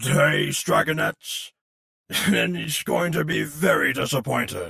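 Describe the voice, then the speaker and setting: A man does a put-on character voice that is raspy and medium in pitch. He speaks at a fairly slow pace. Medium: audio drama. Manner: harsh, unsentimental.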